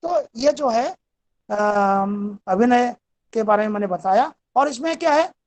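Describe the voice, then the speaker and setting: Brief: female lecturer, high voice, calm and methodical, walks students through each point of a recorded class. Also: measured pace. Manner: explanatory, steady and methodical.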